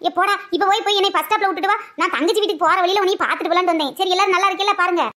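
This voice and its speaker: Someone voicing a sly old cartoon granny, very high and quick. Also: fairly even intonation, bright, forceful tone. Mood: scolding. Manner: nagging, scolding, sly. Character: bossy scheming old grandmother, mother-in-law. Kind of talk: cartoon voice acting.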